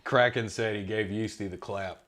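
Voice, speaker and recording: A man's voice: lowish voice, steady tone, moderate pace, fairly bright tone, a little hiss or hum. A man chiming in from off-mic on a livestream, reading chat and teasing the host dryly. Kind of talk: casual offhand chat.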